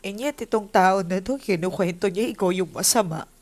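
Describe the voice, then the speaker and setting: A woman's voice: mid-range voice, moderate pace, darkish tone. A woman giving a casual tarot reading, emotional and speaking straight to her viewers, mixing Tagalog with English. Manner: addresses viewers directly. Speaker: tarot reader.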